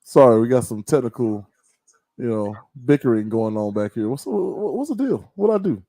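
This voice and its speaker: A man hosting a casual interview over a call, playful and quick to laugh. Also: medium pitch, sing-song, gravelly, mellow, dry recording. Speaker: podcast host.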